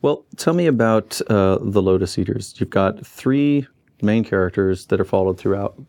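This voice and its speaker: A man hosting an interview, asking measured questions with frequent hesitations. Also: fairly low pitch, expressive, darkish tone. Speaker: interviewer host.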